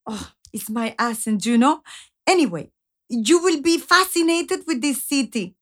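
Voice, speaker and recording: A woman playing an excitable, brash Latina hair salon receptionist in a comic audio drama, speaking Spanish-accented English peppered with Spanish exclamations. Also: high-pitched, a little slow. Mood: bubbly, friendly.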